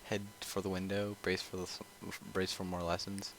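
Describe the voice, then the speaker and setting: A man reading a visual novel aloud with casual asides, often stumbling, repeating phrases and clearing his throat. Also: deep voice, monotone, moderate pace. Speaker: let's player reading a game aloud. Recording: loud music over the voice. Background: loud game music.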